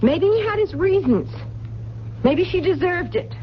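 A woman's voice: very high voice, expressive, a little slow, a crowd in the background. An American woman acting in a 1970s radio drama as a stubborn, lovestruck woman who speaks in a colloquial, hesitant but insistent way. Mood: stubborn, yearning. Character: stubborn, eager, lovestruck woman sheltering a fugitive. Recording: dull, noisy 1970s radio recording.

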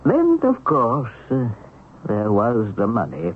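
An actor with an American accent playing a wily, folksy seventy-six-year-old heist mastermind in a radio drama, coaxing and confiding. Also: male voice, medium pitch, huge pitch swings, takes it slowly, slight background noise. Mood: wistful, sly. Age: older. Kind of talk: 1970s radio drama acting. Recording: muffled phone-like old radio broadcast.

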